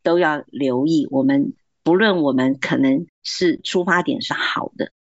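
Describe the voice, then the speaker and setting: A woman offers earnest, encouraging Christian advice on marriage and self-control in a faith-based talk, acting out the remarks she quotes. Her deep voice is unhurried, and the audio is dull with no echo.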